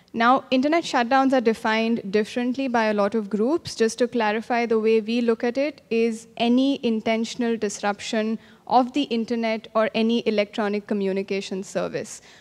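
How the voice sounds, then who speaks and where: At a moderate pace with hardly any pauses, a woman talks with fairly even intonation. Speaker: panelist. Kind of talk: conference panel talk. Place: hall.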